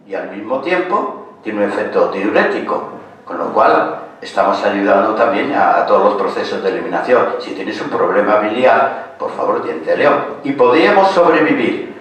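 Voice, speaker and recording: A man's voice: fairly low pitch, expressive, moderate pace, fairly bright tone. An older man with a Castilian accent speaks to a room as an informal lecturer. His way of talking is colloquial and didactic, with questions thrown to the listeners. The sound is heavily reverberant and somewhat distant from the microphone. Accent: Castilian Spanish. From Spain, raised in Asturias. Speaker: lecturer and author on medicinal plants. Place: echoing lecture room at a cultural center. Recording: very echoey hall, distant microphone.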